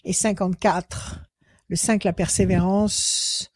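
A woman's voice: mid-range voice, steady tone, slow pace, darkish tone, no room sound. Insistent woman psychic, dry studio. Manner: insistent, repetitive advice. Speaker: psychic on a call-in show. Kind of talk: radio phone-in consultation. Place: radio studio. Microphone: studio microphone.

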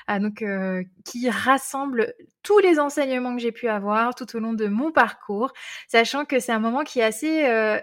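Lady in her 30s doing a solo podcast, easy chatty tone, lots of little hesitations. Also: a little high. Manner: warm, chatty, many hesitations. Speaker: podcast host. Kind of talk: casual solo podcast talk.

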